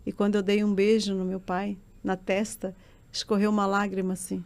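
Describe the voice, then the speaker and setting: A woman's voice: mid-range voice, flat delivery, moderate pace, darkish tone. A woman giving an emotional faith testimony as a guest in an interview, telling her story earnestly and with passion.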